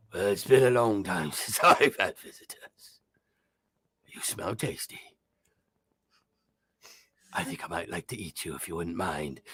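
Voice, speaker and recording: In a put-on character voice, a man speaks raspy and gruff at a moderate pace and fairly low pitch, with long, frequent pauses. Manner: menacing, amused, hungry.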